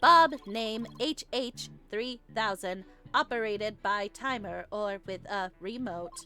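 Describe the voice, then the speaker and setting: A woman's voice: mid-range voice, slow pace. A woman voicing a terse, detached male bomb disposal expert in a robotic, stilted way for a game read-aloud, with clipped phrases. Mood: flat, detached. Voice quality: robotic, flat, stilted delivery. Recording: game music behind the voice.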